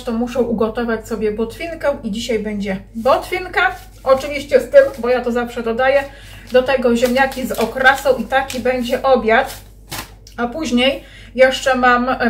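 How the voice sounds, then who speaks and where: A mother in her thirties chatting casually to camera in a family vlog, rambling and talking straight to her viewers. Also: fairly high pitch.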